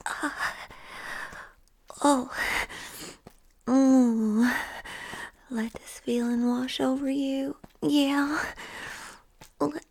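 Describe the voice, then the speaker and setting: A woman in an intimate adult audio roleplay, speaking in a breathy, often whispered voice with a sensual, coaxing delivery. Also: sits high, level tone, drawn-out words, long pauses, a little mellow. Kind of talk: erotic audio roleplay, intimate address to listener.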